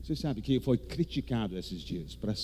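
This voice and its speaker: A male preacher with an English-speaking foreign accent, delivering a theatrical charismatic sermon in halting, non-native speech. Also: on the low side, lively intonation, mellow, slight background noise. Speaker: guest preacher. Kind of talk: charismatic sermon in Portuguese as a second language.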